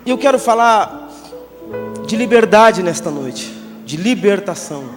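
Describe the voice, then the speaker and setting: A man's voice: sits high, animated, a little slow. A man preaching at a youth congress, chatty and joking, often tossing in tag questions, on a handheld mic. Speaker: pastor. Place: church congress hall. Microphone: handheld microphone. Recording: reverberant hall with background music.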